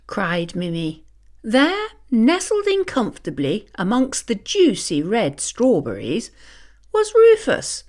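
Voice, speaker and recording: A woman narrating a children's storybook in a theatrical, expressive read-aloud style. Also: a little high.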